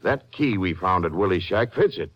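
An actor playing a plainspoken, insistent American sheriff in a western radio drama, with a folksy, emphatic delivery. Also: male voice, low-pitched, animated, normal speed. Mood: insistent, arguing. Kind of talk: 1950s western radio acting. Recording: dull, band-limited 1950s radio recording.

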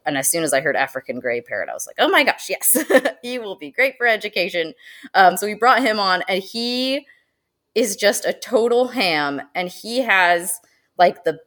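A woman who works as a zoo animal educator, chatting casually in an interview, animated and laughing often. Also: low voice. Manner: animated, laughing, with quick excited quoted asides.

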